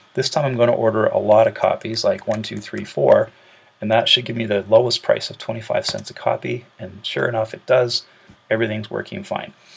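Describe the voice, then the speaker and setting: Amid noticeable background noise, a man speaks at a fairly quick pace with big swings in loudness. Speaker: high school computer science teacher. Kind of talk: tutorial. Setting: recording at home, screen capture. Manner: fast; casual, upbeat.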